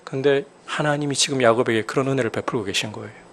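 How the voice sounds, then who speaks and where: A man's voice: mid-range voice, quick pace, fairly bright tone, a little hiss or hum. A male pastor preaching a sermon, explaining scripture and building to emphatic, raised peaks.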